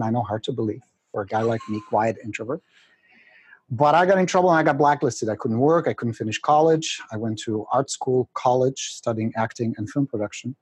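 Husky, exuberant man. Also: medium pitch, a little mellow, no echo. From Czechoslovakia. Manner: exuberant, jokey storyteller. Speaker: guest. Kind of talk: podcast interview.

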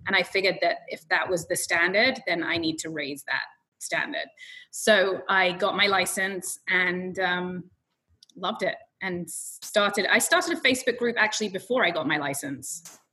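A woman from London, England, with an English accent softened by an American twang, a realtor chatting as an interview guest. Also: lowish voice. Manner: chatty, quick storytelling. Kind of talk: casual interview answers.

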